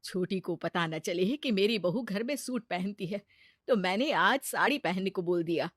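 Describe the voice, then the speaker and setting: A woman voicing a kind middle-aged mother-in-law who speaks softly and gently. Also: mid-range voice, animated, normal speed, dry recording, studio quality, natural voice. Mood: gentle.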